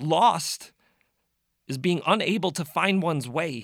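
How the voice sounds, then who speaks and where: On a very clean recording with a silent background, the words come fairly slowly. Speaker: slam poet. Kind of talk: poetry performance and interview.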